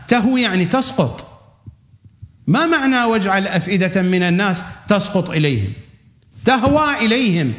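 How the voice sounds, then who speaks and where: A man giving a religious lecture, emphatic, repeating key phrases and reciting quoted verses slowly. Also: high-pitched. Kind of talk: religious lecture on Quranic readings.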